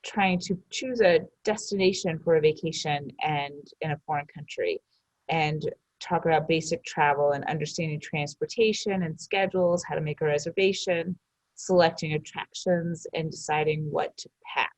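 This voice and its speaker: A woman's voice: deep voice, fairly even intonation, normal speed, dry recording, rough recording. A woman who teaches French and Spanish, giving a back-to-school night overview with frequent "um" fillers. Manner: many "um" fillers, earnest.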